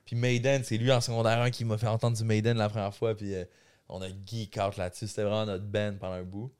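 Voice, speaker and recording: A man with a Québécois accent, a guest musician answering podcast questions in a relaxed, slangy, conversational way. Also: fairly low pitch, quick pace, clean tone. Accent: Québécois French. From Quebec City, Canada. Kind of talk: casual podcast interview.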